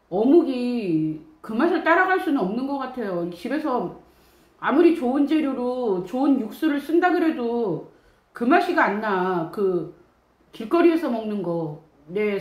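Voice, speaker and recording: A woman streaming a mukbang, chatting casually while chewing with her hand over her mouth. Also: a little high. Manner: slow, chatty, talking with food in mouth. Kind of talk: casual live-stream chat while eating. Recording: echoey room.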